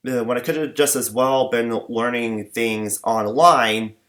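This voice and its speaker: A young man rambling in a personal vlog, talking in a flat monotone with many fillers and false starts. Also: medium pitch, a little slow. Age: young adult. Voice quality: limited, flat range. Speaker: vlogger.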